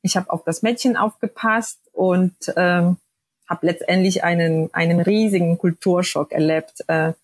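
Husky Polish-accented woman in her forties. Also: fairly low pitch, fairly even intonation, measured pace, no echo. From Poland. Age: 40s. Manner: hesitant, many fillers. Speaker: podcast guest. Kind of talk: personal interview.

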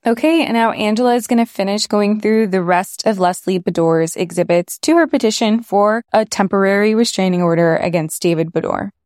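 A woman's voice: medium pitch, fairly quick, hardly any pauses, a little mellow, dry recording, clean studio sound. A woman co-hosting a podcast, explaining background information to listeners. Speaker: podcast co-host.

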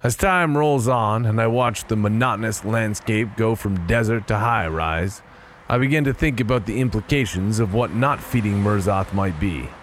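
A man's voice: lowish voice, moderate pace, a little hiss or hum. A man narrating an audio drama in the first person with a dry, sardonic manner.

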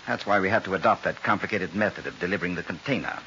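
Deep-voiced, menacing colonel, old radio. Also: male voice, racing, pushed and bright. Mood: smug, menacing. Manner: formal, precise, coldly polite military officer. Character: soft-spoken, menacing male colonel, murderous gang boss. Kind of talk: 1940s radio crime drama acting. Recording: muffled, noisy old radio recording.

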